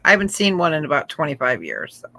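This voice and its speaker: A woman's voice: low voice, huge pitch swings, fast, bright, forceful tone, rough recording. A woman hosting a live online jewelry auction, chatting casually as she describes each item and laughing often. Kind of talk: casual live sales chat.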